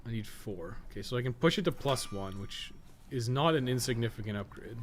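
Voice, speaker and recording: A man chatting casually as a livestreamer, blunt and opinionated, thinking out loud as he goes. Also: medium pitch, expressive, brisk, slight background noise. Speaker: live streamer and podcast co-host. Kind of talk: casual livestream chat and gameplay commentary.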